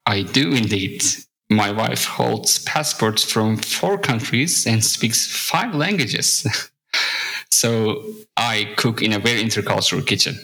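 A man from Turkey, a native Turkish speaker, talking in a measured, explanatory way as a podcast guest. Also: on the low side, expressive, vocal fry, pushed and bright, low-quality recording. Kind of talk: podcast conversation.

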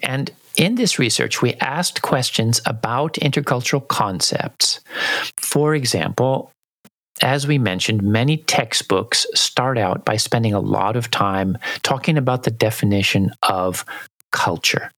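A man who hosts a podcast and leads the discussion with explanations. His voice sits in a middle pitch, and the recording is dry, with no room sound. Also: unhurried, fairly bright tone, no room sound. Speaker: podcast host. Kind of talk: podcast conversation.

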